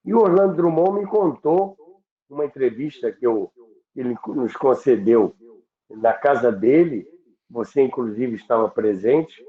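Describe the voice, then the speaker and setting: An older man reminisces in a slow, deliberate, halting way. He speaks conversationally, like a presenter recounting history. The sound is thin and phone-like, with a roomy echo. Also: mid-range voice, animated. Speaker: radio history presenter, former radio worker. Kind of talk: conversational storytelling about radio history.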